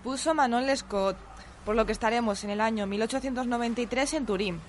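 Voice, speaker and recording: Audio drama, young actress as insistent conservatory student: higher-pitched, bossy, studious, faintly noisy recording. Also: female voice, a little fast, lightly acted. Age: young adult.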